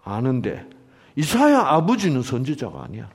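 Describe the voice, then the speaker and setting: A man's voice: medium pitch, huge pitch swings, moderate pace, husky. A man preaching a sermon, asking the congregation questions and acting out quoted lines in shifting voices. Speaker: pastor.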